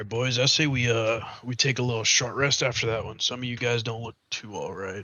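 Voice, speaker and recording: Using a put-on character voice, a raspy man talks at a medium pitch and a fairly quick pace, with monotone, flat intonation and hardly any pauses. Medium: actual play. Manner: calm, friendly.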